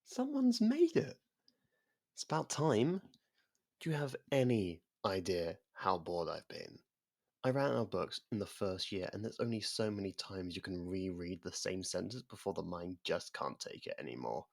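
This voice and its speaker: A performer voicing a sadistic, centuries-old vampire in an ASMR roleplay, theatrical and mocking, slipping into slow whispers. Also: sits low, big pitch swings, creaky, darkish tone, heavily acted. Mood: exasperated, bored.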